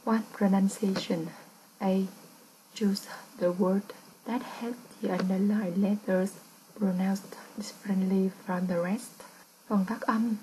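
A woman's voice: mid-range voice, mellow, slight background noise, low-quality recording. A woman English teacher with a Vietnamese accent, patiently explaining test answers and repeating each word.

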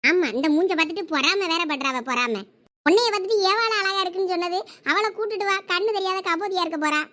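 A woman voicing a sharp-tongued, nosy young village woman in a comic skit. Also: very high voice, fast, slight background noise. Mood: teasing. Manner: sharp-tongued, mocking, chatty.

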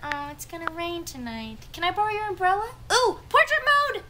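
An actress in a comedic audio drama playing a ditzy, cheerful young witch, naive and excitable. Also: extremely high pitch, a little fast, background noise. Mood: gleeful.

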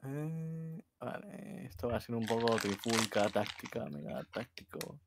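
A man's voice: mid-range voice, expressive, a little slow, heavy background noise. A man with an accent from Spain, chatting casually as a gamer among friends. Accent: Spanish, from Spain. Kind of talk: casual gaming chat.

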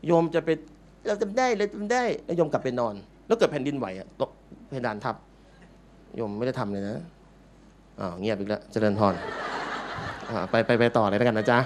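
A man speaks as a Buddhist monk, delivering a light-hearted dharma talk to a hall full of listeners. He jokes and teases the crowd as he makes his points. A faint noise sits under the recording. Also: medium pitch. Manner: joking, playful, teasing the audience. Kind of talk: humorous dharma talk to an audience. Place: large meeting hall with live audience.

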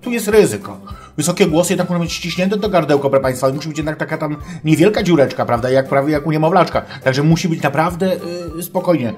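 A man's voice: fairly high pitch, fast, a little mellow, natural voice. A man playing a pompous, crude self-styled female sex therapist, lecturing in mock-scholarly tones and swearing, over faint background music. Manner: mock-scholarly lecturing, keeps addressing the audience formally, swears. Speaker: advice-show host. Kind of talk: comic character monologue.

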